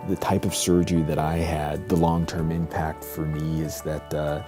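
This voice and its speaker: A man's voice: very deep voice, little pitch movement, normal speed, over music. A man in his thirties giving careful, somewhat hesitant personal testimony in an interview. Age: 30s.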